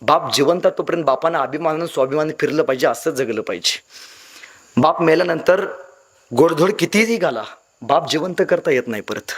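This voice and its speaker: A man delivers a motivational speech in a high voice. He tells his stories dramatically, rising into loud appeals and then dropping to hushed lines. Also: lively intonation, a little fast. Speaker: motivational speaker.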